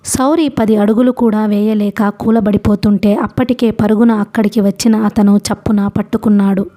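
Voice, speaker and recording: A woman's voice: mid-range voice, steady tone, normal speed, warm tone. A young adult woman, host of the channel, narrating a novel as an audiobook storyteller and voicing the characters in her own voice.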